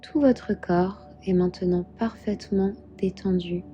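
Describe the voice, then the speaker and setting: A woman with a very soft, dark, relaxed voice leads a guided meditation over background music. She speaks slowly and soothingly, giving each instruction in a calm, measured way at a medium pitch. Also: muffled recording.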